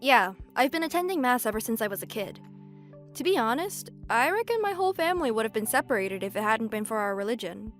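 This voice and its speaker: Casting: feisty young female cashier woman actor for audio drama, high voice, outspoken and stubborn, faint music underneath. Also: big pitch swings, fast, fairly bright tone. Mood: candid. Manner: feisty, emphatic, forthright. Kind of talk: fan audio drama acting.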